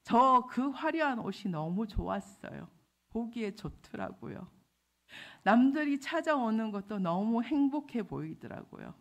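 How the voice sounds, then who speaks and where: A middle-aged woman missionary giving an emotional testimony sermon, acting out the voices she quotes. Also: on the high side. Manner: emotional storytelling, acts out quoted voices loudly. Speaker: missionary preacher.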